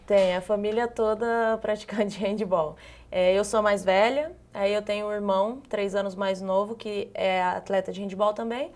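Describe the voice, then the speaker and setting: A young woman from Brazil with a northern Paraná accent, a handball player answering interview questions in a soft, chatty way. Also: medium pitch, fairly even intonation, normal speed. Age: young adult. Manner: soft-spoken, chatty, laughs easily. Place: TV studio.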